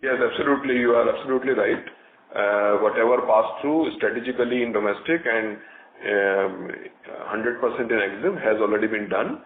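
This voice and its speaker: A man speaking as a company executive, answering investor questions haltingly. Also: fairly low pitch. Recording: phone-like conference line, roomy, slightly noisy.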